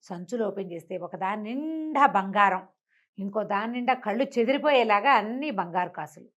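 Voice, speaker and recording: A woman's voice: mid-range voice, animated, moderate pace, a bit bright. A woman storyteller telling a moral tale conversationally, repeating phrases and asking rhetorical questions.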